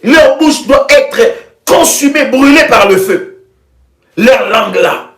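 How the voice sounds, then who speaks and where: A man preaching in a live prayer broadcast, with fervent, repetitive declarations and bursts of shouting. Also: very high voice, expressive, takes it slowly. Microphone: live video stream. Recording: echoey room with soft music.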